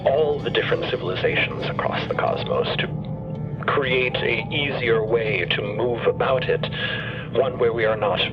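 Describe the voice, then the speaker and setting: A man as a courteous, halting scholar, slightly dull sound. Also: medium pitch, lightly acted. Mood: thoughtful, hopeful. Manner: formal, measured, halting between phrases. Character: courteous, thoughtful male scholar and professor. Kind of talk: narrative fiction podcast acting. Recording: dull sound under music bed.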